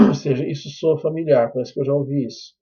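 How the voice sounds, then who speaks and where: Husky Brazilian teacher, patient, checks in often. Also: male voice, on the high side, expressive, brisk, dark tone, dull audio. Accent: Brazilian Portuguese. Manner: patient, checks in constantly with tag questions. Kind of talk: recorded class explanation.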